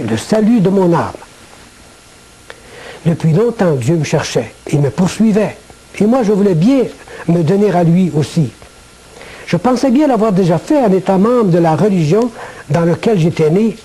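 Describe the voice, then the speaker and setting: A man from gives a religious testimony in a measured, formal way, like a prepared monologue. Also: sits high, dark tone, breathy edge, poor audio. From Quebec, Canada. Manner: measured, formal, literary phrasing.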